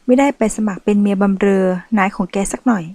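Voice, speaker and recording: A woman's voice: mid-range voice, fast talker, creaky, dark tone, husky, dry recording. A woman reading a novel aloud, voicing a young woman who is seeking a loan, in a plain, earnest manner.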